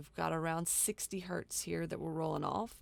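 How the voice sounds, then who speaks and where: Recorded very cleanly against a silent background, a woman's voice comes through. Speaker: mixing engineer teaching online. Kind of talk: tutorial. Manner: casual.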